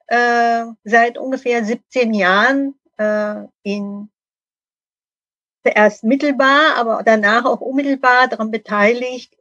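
A woman's voice: medium pitch, dry recording, dull audio. A middle-aged woman speaking as a podcast guest, explaining her work thoughtfully with many hesitations. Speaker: podcast guest, Lean consultant and author. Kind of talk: conversational guest talk.

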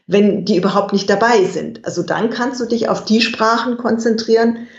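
Calm guest explaining in a dull, roomy recording. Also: medium pitch. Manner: measured, thinks aloud with fillers. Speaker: guest expert on communication. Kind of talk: explanatory interview answers.

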